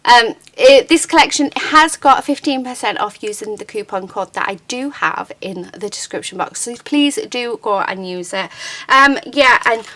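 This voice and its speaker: A woman's voice: fairly high pitch, expressive, normal speed, sharp tone. A woman hosting a casual, chatty craft demonstration at a desk, with an enthusiastic, chirpy manner. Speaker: crafting channel host.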